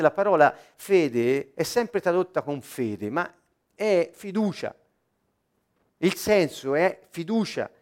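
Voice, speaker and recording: Animated man preaching a sermon. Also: high-pitched. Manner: animated, emphatic preaching with repeated words.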